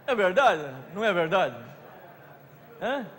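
Brazilian pastor preaching, high voice jumping all over, big hall reverb. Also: male voice, animated, slight background noise. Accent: Brazilian Portuguese. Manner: preaching with dramatic swings between loud outbursts and soft asides, drawn-out words. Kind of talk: sermon. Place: large hall at a pastors' conference.

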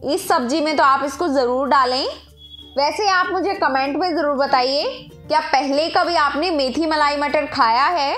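A woman's voice: high voice, normal speed, fairly bright tone, soft background music. A woman hosting a cooking channel, narrating a recipe step by step and speaking directly to her viewers. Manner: instructive, addresses viewers directly.

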